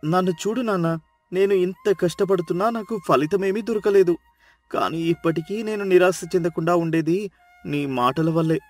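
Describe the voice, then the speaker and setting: A man's voice: high voice, moderate pace, darkish tone, soft background music, close to an everyday voice. A man voicing an earnest, respectful young hardworking farmer's son in a storybook tale. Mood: earnest, grateful. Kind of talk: storybook character dialogue.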